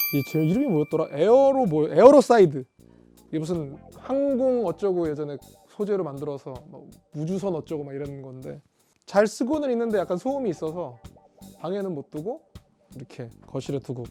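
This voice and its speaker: With music in the background, a man in a high voice speaks at a fairly quick pace in a playful, relaxed tone, with very wide pitch swings, big swings in loudness, and long, frequent pauses. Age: 40s. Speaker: singer. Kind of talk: casual vlog tour of his studio.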